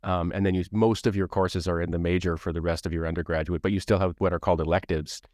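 A man's voice: low-pitched, level tone, quick pace, a little mellow, no room sound, studio quality. A man from Canada hosting a podcast interview, chatting in a rambling way with many restarts. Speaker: podcast host. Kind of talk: casual interview conversation.

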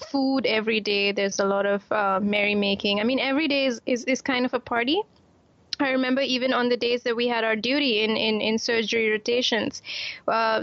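Chatty woman with a gravelly voice. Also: fairly high pitch, a bit bright, no echo, highs cut off. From Kuwait. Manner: chatty, with fillers and repeated words. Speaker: guest, author and doctor. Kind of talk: casual interview answers.

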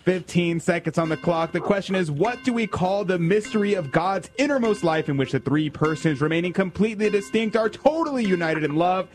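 A man's voice: high-pitched, expressive, brisk, hardly any pauses, over music. A man hosting a call-in radio quiz, teasing and upbeat. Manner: teasing, playful quizmaster. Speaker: radio host.

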